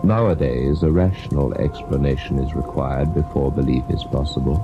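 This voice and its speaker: A man's voice: a bass voice, normal speed, music in the background. A man playing a grave, formal storyteller who introduces ghost tales on old-time radio. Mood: grave, ominous. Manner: solemn, formal. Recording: dull old radio recording.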